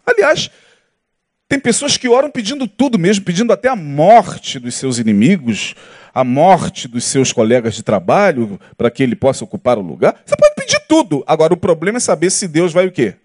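Brazilian pastor preaching, high voice that swoops all over, keeps asking the crowd questions. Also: male voice, a little fast, no room sound, clean studio sound. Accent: Brazilian Portuguese. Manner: lively, peppers the congregation with rhetorical questions. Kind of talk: sermon. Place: church service with congregation.

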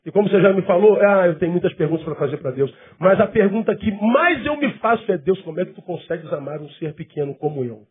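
A man's voice: sits high, expressive, fast, hardly any pauses, husky, phone-quality sound. A male pastor giving a conversational sermon full of rhetorical questions.

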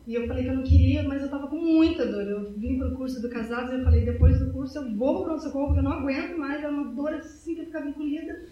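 A woman's voice: high-pitched, racing, mellow, muffled recording, slight background noise. A young woman telling an emotional personal testimony in church, retelling a story at length and repeating herself. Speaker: church member giving testimony.

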